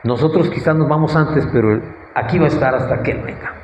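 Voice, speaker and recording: A man's voice: mid-range voice, brisk. Preaching man in an echoing church. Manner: animated preaching, acts out quoted dialogue. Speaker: pastor. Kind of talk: sermon. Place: church sanctuary. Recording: roomy hall echo, dull lo-fi sound, faint noise.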